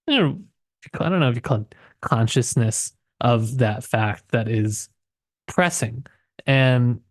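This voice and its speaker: A man co-hosting a book podcast, reflecting casually and haltingly as he searches for his words. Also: mid-range voice, no room sound, studio quality. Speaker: podcast co-host.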